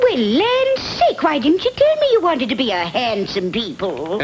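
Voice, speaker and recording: A cartoonish character voice at a moderate pace. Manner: homespun, folksy.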